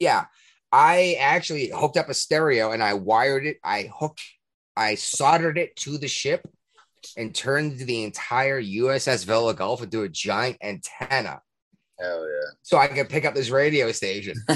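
A man speaks at a medium pitch with lively intonation. His pace is moderate and the background is quiet. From Boston, Massachusetts. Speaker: podcast host. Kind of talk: casual chat.

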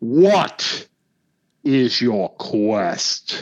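A booming, put-on character voice holds a low-to-middle pitch.

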